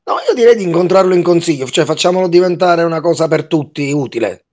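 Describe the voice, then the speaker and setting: A Sicilian man chairs an online council meeting in an informal way. His voice sits a little high for a man, and he slips Sicilian dialect into his talk. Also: expressive, quick pace, darkish tone. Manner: drops in Sicilian dialect words. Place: online video call.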